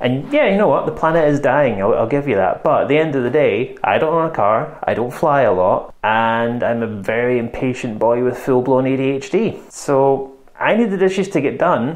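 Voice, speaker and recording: The speaker talks in a Scottish accent at a moderate pace. There are hardly any pauses. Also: man. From Scotland. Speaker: cooking YouTuber. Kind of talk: casual vlog talk to camera. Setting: home kitchen. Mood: wry, exasperated conclusion. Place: kitchen. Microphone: lapel.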